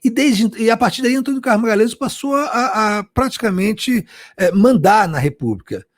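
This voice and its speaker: A man's voice: sits high, lively intonation, moderate pace, no echo. A Brazilian man, a journalist answering interview questions passionately, often restarting and repeating words. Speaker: journalist guest.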